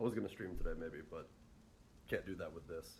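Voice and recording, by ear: Using a put-on character voice, a man talks at a fairly quick pace in a hoarse, raspy way.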